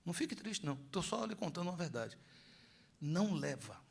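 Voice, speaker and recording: A man's voice: a little high, big pitch swings, fairly quick, creaky, husky. A middle-aged man, preaching a sermon as pastor, quizzing his congregation with rhetorical questions and telling stories.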